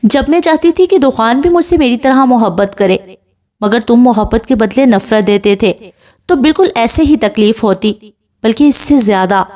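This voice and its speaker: A woman's voice: on the high side, darkish tone, close to an everyday voice. A woman voicing a sick young woman in a hospital bed, tearful and accusing in a raised voice.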